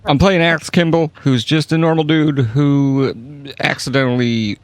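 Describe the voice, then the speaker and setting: A man's voice: on the high side, fairly even intonation, unhurried, no echo. A man in his thirties bantering casually as a podcast player in a joking, self-deprecating way. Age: 30s.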